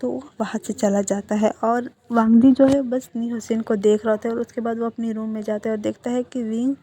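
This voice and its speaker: A woman retelling a fan fiction story as casual storytelling, in a chatty, conversational way. Her voice sits a little high. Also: steady tone, fairly quick, warm tone.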